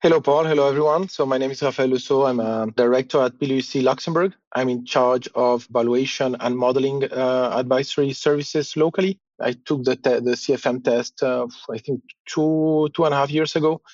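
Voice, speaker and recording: A man from Chile speaking as a panel guest in a measured way with some restarts. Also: medium pitch, steady tone, darkish tone, dry recording, highs cut off. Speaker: guest, valuation director. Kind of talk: casual panel chat.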